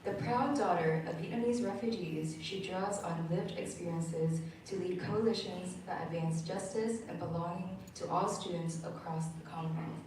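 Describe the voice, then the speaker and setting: A woman's voice: lowish voice, moderate pace, hardly any pauses, darkish tone. Woman emcee reading an introduction in a hall. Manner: reads from a script with small slips and self-corrections. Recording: echoey hall, voice from far off, noisy.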